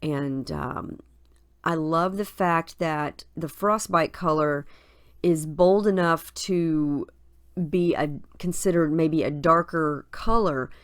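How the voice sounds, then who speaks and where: A woman's voice: low voice, slow, smooth, dry recording, studio quality. A woman with a head cold, sounding scratchy and nasal, chatting casually as she narrates her scrapbooking process. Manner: chatty, relaxed, thinking aloud with fillers. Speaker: craft video host.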